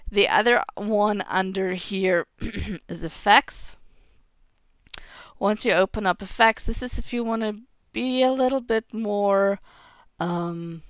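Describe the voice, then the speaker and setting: A woman's voice: on the low side, dry recording, clean studio sound. A woman in her thirties with a cough, hosting a game tutorial and explaining settings step by step into a headset mic from home. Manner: steady step-by-step explaining, clears throat now and then. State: has a cough. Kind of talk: screen-recorded game tutorial. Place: home room.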